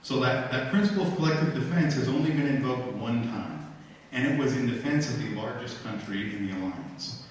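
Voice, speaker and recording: Speaking formally in a large lecture room, a middle-aged man from the United States addresses the crowd as a diplomat in a mid-range voice, choosing his words with deliberate care. A distant camera in the audience captures his handheld mic through the speakers, leaving heavy echo and faint noise.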